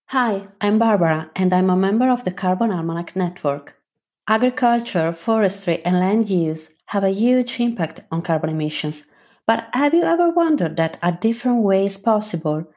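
Woman presenter, measured read intro, a bit lo-fi. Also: medium pitch, lively intonation, a little mellow. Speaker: podcast presenter. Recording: slightly dull recording.

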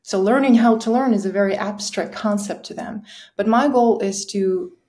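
A woman's voice: medium pitch, moderate pace, mellow. A woman from Kazakhstan, an English teacher speaking earnestly and emphatically as a podcast guest. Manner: earnest and emphatic about her views on learning. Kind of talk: podcast conversation.

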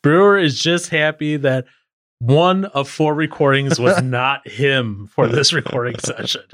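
A man's voice: mid-range voice, measured pace, a bit bright. A man hosting a casual podcast, chatty and often laughing as he explains the game. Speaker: podcast host.

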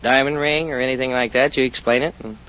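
A man's voice: mid-range voice, fairly even intonation, quick pace. A man, a contestant who works as an auctioneer, answering questions in a plain, hesitant way. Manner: earnest, hesitant, plain-spoken. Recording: muffled old radio recording with hiss.

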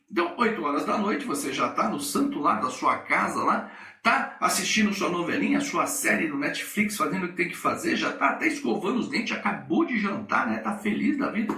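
A middle-aged man with a Brazilian Portuguese accent tells a workplace story on his coaching podcast, acting out each person in it. His voice is bright and swings widely in pitch. He sits a little back from the mic in an echoey room. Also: a little fast, far from the mic. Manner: animated, acts out the people in his stories. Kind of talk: storytelling monologue.

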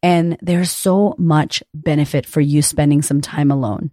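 Raspy, low-voiced woman podcast host. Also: steady tone, measured pace, dark tone, dry recording, studio quality. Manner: frank, profane and encouraging, addresses listener directly. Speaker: podcast host and confidence coach. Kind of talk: casual podcast monologue.

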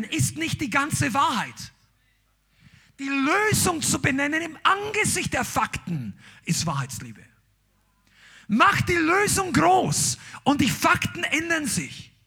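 High-pitched, animated male preacher. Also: vocal fry. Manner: emphatic, exclaiming preaching. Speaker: pastor. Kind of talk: sermon.

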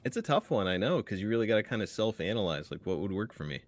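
Man, 30s, podcast co-host; low-ish voice, dry close mic, chatty and laughing. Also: very animated, quick pace, dry recording. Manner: chatty, laughing, acts out quotes. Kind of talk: casual podcast interview.

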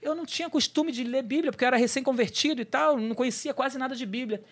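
A man's voice: very high voice, fast, fairly bright tone. A man sharing a personal testimony on a church talk show, telling the story with energy and acting out the voices of people in it.

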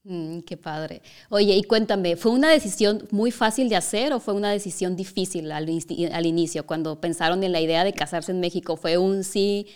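Smooth-voiced woman hosting a casual interview. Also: fairly low pitch, moderate pace, few pauses. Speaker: podcast host, interviewer.

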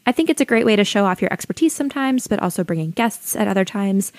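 A woman's voice: medium pitch, fast, no room sound. Soothing woman podcast teacher, dry close mic. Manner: calm, friendly advice-giving. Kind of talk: solo educational podcast talk.

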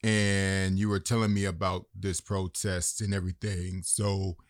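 A man's voice: low voice, level tone, a little slow, no echo, studio quality. A man hosting an interview, prompting his guest in casual conversation and teasing playfully. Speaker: host.

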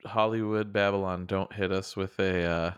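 Chuckling low-voiced co-host man. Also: steady tone, moderate pace, smooth, no room sound, dull audio. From Massachusetts. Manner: joking, chuckling banter. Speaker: podcast co-host. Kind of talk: casual chat.

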